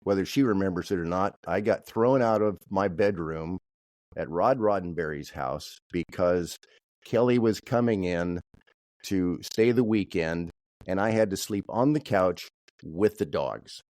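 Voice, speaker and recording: A man from Kansas co-hosting a podcast, telling stories in a halting way with many restarts. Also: low-pitched, a little mellow, no room sound. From Kansas, USA. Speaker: podcast co-host. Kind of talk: casual podcast chat.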